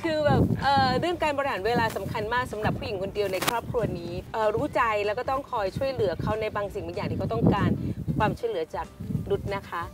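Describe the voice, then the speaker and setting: A woman's voice: medium pitch, expressive, fast. A middle-aged woman, the mother of a family travel show, chatting casually outdoors at a lakeside. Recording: loud background music.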